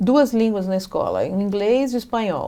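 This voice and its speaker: Her voice fairly high with a dark, mellow tone, a woman with a Brazilian accent speaks with ordinary pitch variation. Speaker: educational psychologist. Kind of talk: interview.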